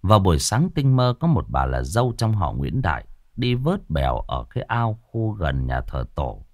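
A man's voice: low-pitched, sing-song, normal speed, no room sound, studio quality. Man telling a ghost story in a swooping voice. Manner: dramatic, swooping delivery.

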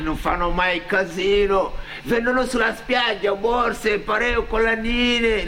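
An actor playing a defiant young immigrant drug dealer in a colloquial theatrical monologue, swearing and throwing out pointed questions. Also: male voice, high-pitched, bright, forceful tone. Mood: wry. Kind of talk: theatrical first-person monologue.

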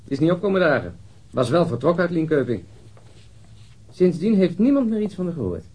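Lively, husky, blunt cop. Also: male voice, a little high, a little fast. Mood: reporting, disgruntled. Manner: blunt, wry, informal. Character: blunt, grumbling, wry male police colleague getting older. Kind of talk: radio drama acting, naturalistic.

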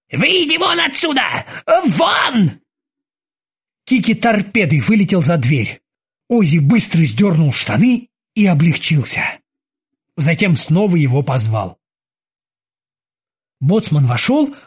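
Husky woman narrating an audiobook. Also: fairly low pitch.

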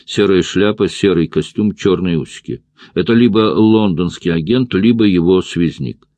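A man narrating an audiobook, reading the terse report of a male undercover agent in a deep, dry voice. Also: normal speed, mellow, no room sound.

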